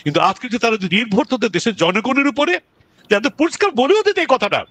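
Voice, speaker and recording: A man, a guest commentator on a talk show, speaking earnestly and emphatically with frequent halting restarts. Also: very high-pitched, no echo. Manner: earnest, emphatic, drifts between calm and raised passages; halting, with restarts and drawn-out fillers.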